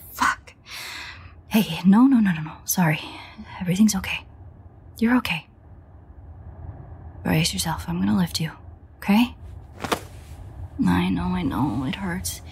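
Woman acting a low, hushed, sardonic vampire woman. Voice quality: hushed, breathy, often near a whisper. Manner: sardonic, swearing, coaxing. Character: foul-mouthed, teasing female vampire with a protective streak. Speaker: audio roleplay voice actor. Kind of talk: intimate audio drama roleplay, hushed and breathy. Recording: faint ambient noise, rain.

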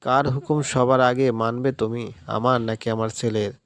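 A man's voice: mid-range voice, fairly even intonation, moderate pace, natural voice. A man voicing a stern, bossy older father who owns the house and speaks in a commanding, irritated way.

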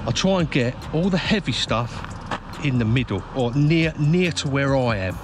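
A man's voice: medium pitch, animated, moderate pace. Chatty angler man, outdoors on camera. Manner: chatty, explaining step by step with frequent restarts. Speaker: fishing vlogger. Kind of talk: casual vlog talk to camera. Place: outdoors at a lakeside car park by a van. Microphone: handheld action camera at arm's length. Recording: outdoor camera audio with clear background noise.

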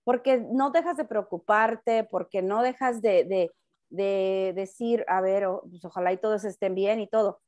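A middle-aged Mexican woman chatting as a guest on a radio talk show, with a loud voice that sounds almost like shouting, often restarting and repeating her words. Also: mid-range voice, measured pace. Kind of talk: casual chat.

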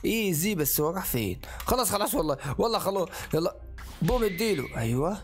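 Hyped Egyptian man gaming fast. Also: high voice. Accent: Egyptian Arabic. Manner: excitable, rapid exclamations, English catchphrases. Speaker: gaming channel host. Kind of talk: excited Let's Play commentary.

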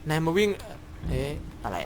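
A man's voice: normal speed, slight background noise. A young man commentating a horror game in Thai, joking crudely, talking to himself, acting brave and yelping when startled. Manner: jokey, crude and rambling, mock-brave, yelps when startled. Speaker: gaming YouTuber.

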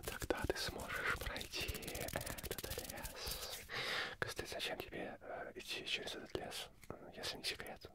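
Young guy doing a teasing cheshire cat, whispered role-play, super breathy, barely audible, repeats himself, right up on the mic. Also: unhurried, natural voice. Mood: secretive, teasing. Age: young adult. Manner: repetitive, hushed, half-intelligible murmuring. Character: sly, playful, teasing male Cheshire Cat guide. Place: small foam-padded indoor studio. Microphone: close ASMR microphone.

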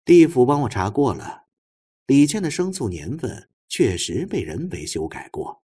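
An earnest, knowledgeable female investigator in an audiobook, read by a man with a husky voice. The delivery is explanatory and emphatic, with animated intonation. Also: mid-range voice, normal speed.

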